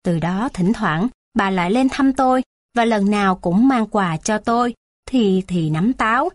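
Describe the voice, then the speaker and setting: A woman narrating a children's story in a steady, plain reading voice. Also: medium pitch, unhurried, dry recording.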